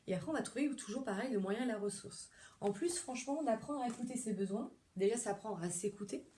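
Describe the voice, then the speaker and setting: A woman's voice: fairly high pitch, fast talker, mellow, slight background noise. A middle-aged woman therapist talking casually about needs and emotions, chatty and rambling with many fillers and restarts. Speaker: psychotherapist. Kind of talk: casual monologue.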